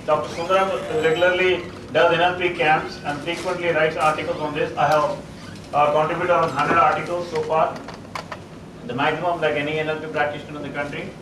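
A middle-aged man with an Indian English accent gives a halting conference talk as a psychologist, full of uh fillers and restarts, on a large auditorium stage. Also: fairly high pitch, flat delivery. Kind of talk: conference presentation. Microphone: distant room mic, speaker standing on stage. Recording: echoey auditorium, far from mic, noisy.

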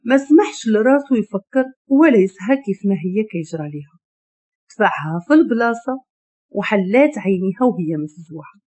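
A woman with a Moroccan Arabic accent narrating a romance story in a steady, even storytelling voice. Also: mid-range voice, a little fast, husky.

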